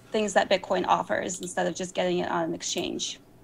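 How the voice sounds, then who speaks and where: This woman speaks with an American accent and audible vocal fry. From Soviet Union / Russia, raised in US. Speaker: bitcoin security entrepreneur. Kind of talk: panel interview.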